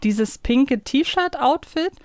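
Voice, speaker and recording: A woman's voice: high-pitched, animated, slow pace, darkish tone, no room sound, clean studio sound. A woman co-hosting a casual fan podcast, chatting and musing as she thinks aloud. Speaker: podcast co-host.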